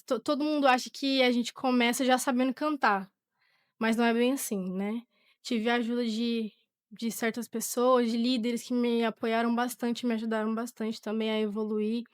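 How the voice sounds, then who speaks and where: A teenage woman with a Brazilian accent shares her personal testimony in conversation. Her voice sits fairly high, and she talks informally, often restarting her phrases. The recording is close and dry. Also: clear, resonant tone, no echo. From Portugal, born to a Brazilian family. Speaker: podcast guest, young church singer.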